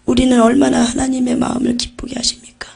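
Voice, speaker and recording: A woman recounts visions of heaven and hell in an intense testimony, her voice often sinking to a near-whisper. It is husky and gravelly, and sits somewhat high. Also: little pitch movement, fast talker, darkish tone. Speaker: testimony giver.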